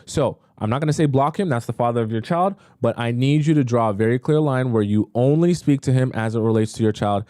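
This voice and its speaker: In studio-quality audio with no room sound, a young man runs a live-stream dating advice session, reading out viewers' questions and reacting with disbelief. He talks a little fast with few pauses in a warm, medium-pitched voice, casual and chatty with lots of fillers.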